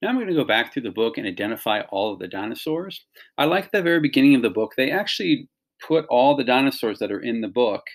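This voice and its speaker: A middle-aged man with a medium-pitched voice and noticeable vocal fry. He speaks like a teacher leading a read-along for children. His phrasing is simple and explanatory as he points things out. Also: lively intonation, fast talker. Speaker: teacher reading a picture book aloud to children.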